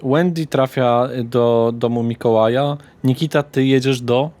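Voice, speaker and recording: A man working as game master, narrating a tabletop horror roleplay in a dramatic, deliberate storyteller manner. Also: medium pitch, steady tone, a little mellow, no room sound.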